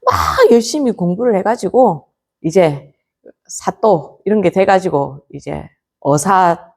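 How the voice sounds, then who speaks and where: A woman's voice: on the low side, very animated, slow, vocal fry, breathy edge. A woman, a Buddhist nun, gives a temple lecture, telling a story and posing questions to her class.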